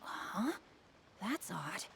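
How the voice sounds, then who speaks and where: A woman voicing a polite, bookish young gentleman in a video game, with formal and refined phrasing. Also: medium pitch, very animated, drawn-out words, creaky, slight background noise, heavily acted. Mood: puzzled. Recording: game music behind the voice.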